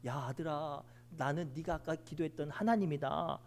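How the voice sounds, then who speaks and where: A man voicing God as a calm, fatherly figure reassuring a man in a sermon joke. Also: fairly high pitch, moderate pace, lightly acted.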